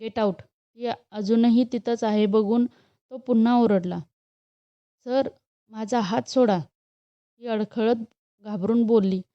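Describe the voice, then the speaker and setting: A woman's voice: fairly high pitch, dry recording, lo-fi sound. Woman reading a bedtime love story. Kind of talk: scripted storybook narration.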